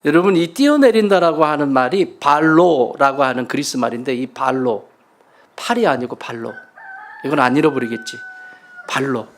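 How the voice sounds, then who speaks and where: A man's voice: medium pitch, normal speed. A man preaching a sermon as pastor, emphatic and leading his congregation in call-and-response. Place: church sanctuary.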